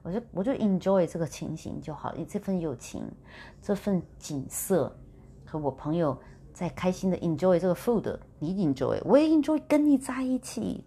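A woman telling a personal story in a relaxed, chatty monologue and slipping English words in as she talks. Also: fairly low pitch, slightly rough. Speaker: vlogger sharing spiritual practice.

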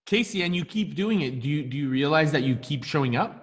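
A man with a Canadian accent leads a coaching session, his voice sitting a touch high. He asks encouraging questions and restarts his sentences often. A long reverb trails behind his voice. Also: animated, brisk. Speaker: mindset coach.

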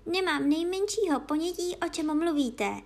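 A woman voicing a polite young girl in a storybook reading, with a raised, drawn-out, indignant girlish voice. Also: extremely high pitch, pitched above the performer's own voice. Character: young girl, polite but easily offended.

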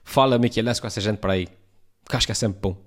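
A man's voice: fairly low pitch, fast. A man with an Azorean accent from São Miguel, hosting a podcast and chatting casually in reply to a listener's message, rambling with many restarts and fillers. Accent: Azorean Portuguese, São Miguel. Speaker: podcast host.

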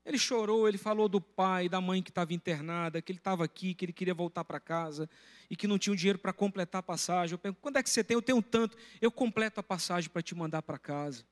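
Man, middle-aged, pastor, sermon, high voice, storytelling. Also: fast, soft background music. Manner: storytelling, breaks into loud shouting when retelling a confrontation.

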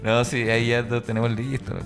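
A man's voice: mid-range voice, monotone, a little fast, soft background music. A man hosting a casual comedy radio show, chatting in a joking, teasing, rambling way. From Mexico. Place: online radio studio.

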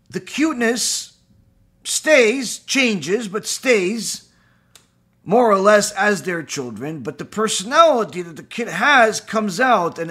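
A man gives a lecture in a high, bright, slightly husky voice. His pitch swings widely as he fires off rhetorical questions, and he often stops on "you know" and "uh". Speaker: Torah teacher. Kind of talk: recorded lecture.

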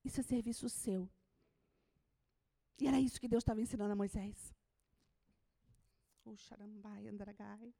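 High-pitched woman preacher; fervent sermon delivery, alternating shouted declarations with quiet, whispered moments. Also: fairly quick, long pauses, slightly rough. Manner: swings from shouted proclamations to hushed near-whispers.

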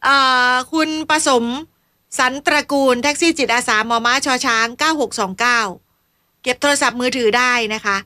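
A woman's voice: sits high, moderate pace, pushed and bright. A woman hosting a live radio call-in show, reading out listener questions politely, sometimes a little flustered. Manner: polite, reads listener messages and questions aloud, a bit flustered. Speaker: radio host.

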